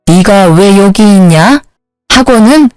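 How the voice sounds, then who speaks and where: A woman's voice: medium pitch, expressive, slow, a little mellow, no echo, low-quality recording. A sly, scolding mother-in-law, put on by a woman in a story drama, who drags out her words and gives orders. The voice sounds dry and close, with faint music underneath.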